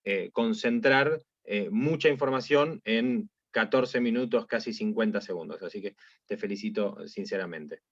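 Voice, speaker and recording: A man's voice: lowish voice, moderate pace, no echo. A man moderating an academic online panel, introducing speakers in a wordy way full of fillers and restarts. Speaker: event moderator. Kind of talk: formal introductions. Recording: dull, dry video-call audio.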